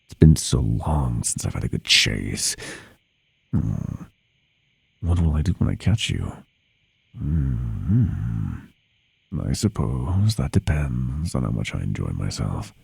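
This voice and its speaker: A man voicing an ancient, sadistic monster under the bed in a horror ASMR roleplay, gravelly and often whispering, with a slow, taunting, teasing manner. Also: very deep voice, big pitch swings, heavily acted. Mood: hungry, excited. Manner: slow, taunting, teasing, savoring each word. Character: centuries-old monster under the bed, sadistic, playful, menacing.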